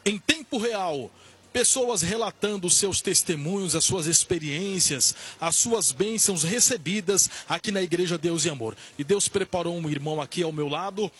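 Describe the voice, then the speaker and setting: A man's voice: high voice, moderate pace, fairly bright tone, slightly rough. A man reporting live for church radio from a temple entrance, fervent and proclaiming. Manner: fervent, proclaiming, sometimes sing-song. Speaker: church elder, field reporter.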